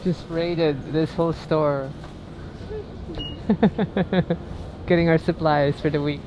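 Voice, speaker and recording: A woman's voice: low-pitched, level tone, takes it slowly. A woman narrating a casual travel vlog on the go, upbeat and chatty, from airports, streets and a hotel room. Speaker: travel vlogger. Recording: noisy street ambience.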